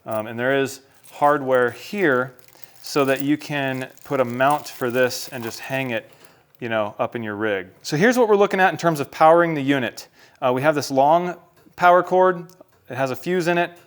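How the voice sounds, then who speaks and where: A man's voice: mid-range voice, moderate pace, clean tone. An American man talking casually to viewers as a vlogger, in an unboxing and how-to style. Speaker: vlogger reviewing a product.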